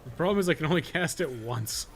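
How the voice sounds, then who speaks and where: A man's voice: a little high, expressive, fast talker, slight background noise. A man giving casual, rambling live commentary while playing a video game, with some swearing and self-amusement. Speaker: video game streamer and podcast co-host.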